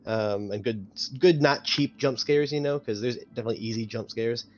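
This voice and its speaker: A man talking casually as a gaming podcast player, halting as he thinks aloud, with dry humor. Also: mid-range voice, darkish tone. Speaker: tabletop game player. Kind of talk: casual, reflective chat. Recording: dull lo-fi audio, faint noise.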